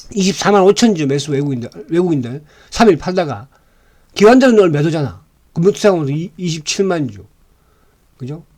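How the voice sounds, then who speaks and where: Here a man with a fairly high and slightly mellow voice talks stocks casually, his pitch jumping around. He repeatedly seeks his viewers' agreement and uses blunt slang.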